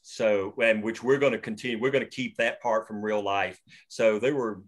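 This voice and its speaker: A man's voice: on the low side, steady tone, moderate pace. A man hosting a table read, talking casually about the script with many restarts, over a video call. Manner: rambling, with many restarts and fillers.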